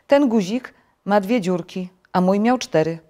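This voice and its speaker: A woman's voice: medium pitch, measured pace, mellow, pitched above the performer's own voice, close to an everyday voice. A woman voicing a fussy, easily upset male toad who complains emphatically. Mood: fussy, complaining.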